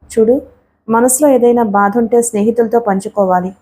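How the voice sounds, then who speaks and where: A woman voicing a playful, caring young female student who coaxes her friend with gentle banter. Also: on the high side, steady tone, moderate pace, a little hiss or hum, close to an everyday voice. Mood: coaxing.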